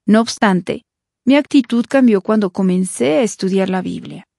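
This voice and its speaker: A woman from South Africa reading her own personal testimony, sincere and measured. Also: medium pitch, creaky, mellow, no echo, studio quality. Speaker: testimony speaker.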